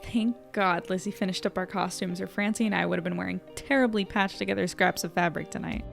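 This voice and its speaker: A woman's voice: on the low side, steady tone, fast talker, vocal fry, soft background music. Woman playing wry, anxious young newspaper editor. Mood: wry, worried. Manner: wry, melodramatic, conversational. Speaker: narrator and lead character. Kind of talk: audio drama narration and dialogue.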